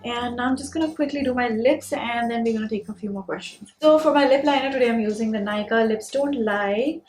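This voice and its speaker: A young woman from Mumbai, India, speaks with an Indian Punjabi accent in a rather high, fairly quick, slightly mellow voice. She's a beauty vlogger chatting casually and candidly, answering questions while doing her makeup. The recording sounds roomy and echoey, with music behind her and a little background noise.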